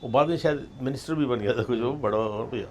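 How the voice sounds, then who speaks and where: A man's voice: mid-range voice, fast talker, slight background noise. An older man, a film actor, recounting stories in a casual interview, mixing English phrases into his speech. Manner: animated storyteller who mixes in English phrases.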